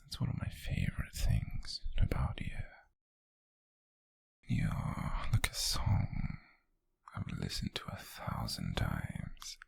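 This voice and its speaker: A British man playing an obsessive, possessive male stalker in an ASMR roleplay, speaking in a slow, breathy, raspy whisper, teasing and sinister, close to the microphone. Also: a bass voice, huge pitch swings, dry recording, heavily acted.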